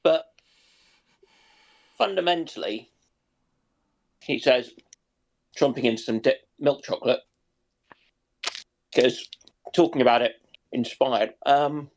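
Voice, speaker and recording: A man in a casual live chat, talking haltingly with pauses between short phrases. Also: mid-range voice.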